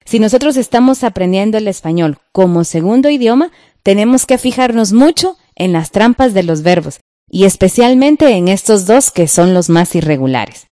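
Mellow-voiced Guatemalan woman teaching grammar. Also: mid-range voice, lively intonation, dry recording, clean studio sound. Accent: Guatemalan Spanish. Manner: slow, careful, explanatory. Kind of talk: textbook grammar lesson.

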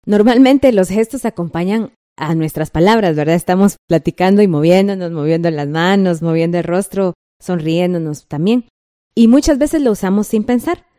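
A woman's voice: lowish voice, animated, moderate pace, dark tone. A woman with a Guatemalan accent teaching a textbook lesson, patient and checking in often with the listener.

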